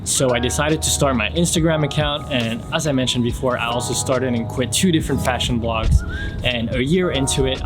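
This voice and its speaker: Young man from France hosting a casual fashion Q&A, relaxed and chatty, clear background music underneath. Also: mid-range voice. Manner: relaxed, reads questions aloud then answers at length. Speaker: fashion YouTuber. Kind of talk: casual Q&A vlog.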